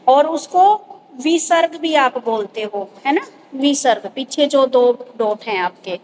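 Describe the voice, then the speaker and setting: High-voiced woman teacher explaining patiently. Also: a little hiss or hum, rough recording. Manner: explains patiently, often checks in with the listener. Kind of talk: explaining grammar to students.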